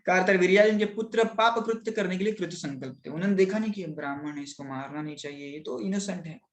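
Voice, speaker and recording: A teacher tells a scripture story at a middling pitch and slips into English phrases. The teacher checks in with listeners again and again. The room carries a clear echo. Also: quick pace. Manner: mixes English into Hindi, keeps asking "right?". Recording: roomy echo.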